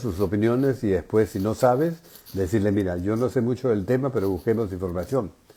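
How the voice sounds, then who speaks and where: Here a man speaks at a fairly quick pace with a dark, mellow tone. His pitch sits fairly low, with ordinary variation. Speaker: sexologist and live stream host. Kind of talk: live stream talk. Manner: fast.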